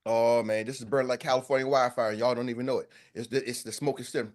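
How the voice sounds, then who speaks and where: A man's voice: mid-range voice, fairly even intonation, quick pace, darkish tone. An American man coaching a group call in a fiery, preacher-like motivational style, repeating lines for emphasis. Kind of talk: motivational pep talk.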